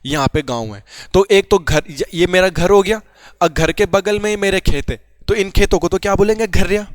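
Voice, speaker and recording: A man's voice: high-pitched, no room sound. Chatty young male exam teacher. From Uttarakhand, Garhwal. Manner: chatty, asks and answers his own questions. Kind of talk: informal Hindi exam lesson.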